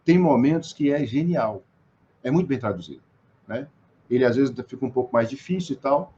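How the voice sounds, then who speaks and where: A man's voice: mid-range voice, lively intonation, fairly quick, dark tone, lo-fi sound, slight background noise. Hesitant Brazilian man explaining verse meter. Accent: Brazilian Portuguese. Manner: hesitant, many restarts and fillers. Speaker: guest. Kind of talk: interview explanation.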